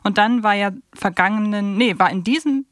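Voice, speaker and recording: A woman's voice: medium pitch, moderate pace, dry recording, clean studio sound. A woman from Hamburg with speech, chatting casually and reflectively as co-host of a podcast. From Hamburg, Germany. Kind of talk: casual unscripted podcast chat. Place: podcast studio.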